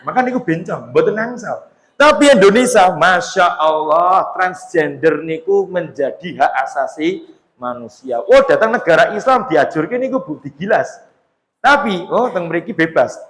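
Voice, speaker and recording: A man's voice: sits high, animated, a little slow, fairly bright tone. A man with a Javanese accent giving a chatty, joking Islamic sermon to a women's audience. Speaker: Islamic preacher. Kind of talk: humorous religious lecture. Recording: echoey hall with long reverb.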